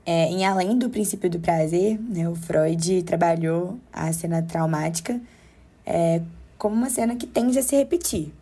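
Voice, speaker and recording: A woman giving measured, explanatory commentary as a podcast co-host, often tagging her points with questions. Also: fairly low pitch, warm tone, breathy edge.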